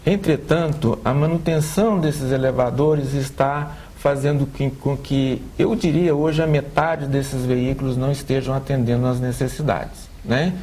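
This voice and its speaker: Earnest halting Brazilian man. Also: medium pitch, steady tone, mellow, slight background noise. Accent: Brazilian Portuguese. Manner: earnest, halting, repeats words. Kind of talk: panel debate contribution.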